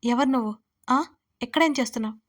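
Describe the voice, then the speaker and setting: A woman voicing a hot-tempered, domineering young man who shouts his demands in an audio story. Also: a little high, quick pace, distant mic, lightly acted. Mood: angry.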